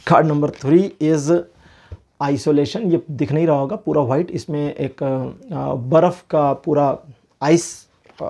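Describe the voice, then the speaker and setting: A man reading tarot cards and giving relationship advice in a casual, explanatory way, pausing to search for words. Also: fairly high pitch, vocal fry, a little mellow. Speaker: tarot card reader.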